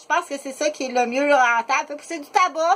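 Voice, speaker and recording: Her pitch high, a woman speaks fairly quickly with fairly even intonation. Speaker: vlogger. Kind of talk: rambling video monologue. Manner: fast; halting, many hesitations.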